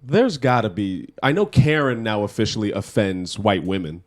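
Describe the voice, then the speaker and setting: Low-voiced blunt questioning man. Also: lively intonation, moderate pace. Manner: blunt, asks short probing questions. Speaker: podcast co-host. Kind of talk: casual banter over drinks.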